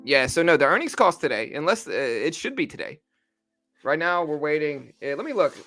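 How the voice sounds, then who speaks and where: A man's voice: on the high side, sing-song, a little fast, sharp tone, soft background music. A man in his thirties hosting a casual trading livestream, laid-back and rambling, full of slang. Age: 30s. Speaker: livestream host. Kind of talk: casual livestream chat about stocks.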